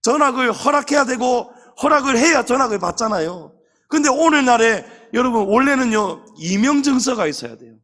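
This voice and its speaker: A male pastor preaching a Sunday sermon, animated, acting out little scenes of scolding elders and sulking churchgoers. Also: very high voice, a little fast. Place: church sanctuary.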